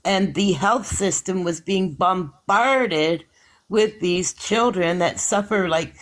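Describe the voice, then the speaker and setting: A man's voice: high voice, slow pace, a bit bright, rough recording. Rambling man explaining in casual chat. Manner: rambling explainer, restarts and hedges often.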